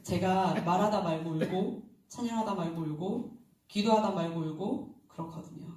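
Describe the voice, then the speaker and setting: A woman's voice: on the low side, darkish tone, slight background noise. A woman preacher giving an early-morning sermon in a church, talking conversationally and asking the congregation questions. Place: church sanctuary. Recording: very echoey hall, distant mic.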